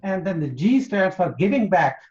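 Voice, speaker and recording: A man from Pakistan hosting an interview, speaking earnestly and emphatically and spelling out his points slowly. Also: high voice, big pitch swings, darkish tone. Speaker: interview host. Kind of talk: motivational interview. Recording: dull lo-fi audio.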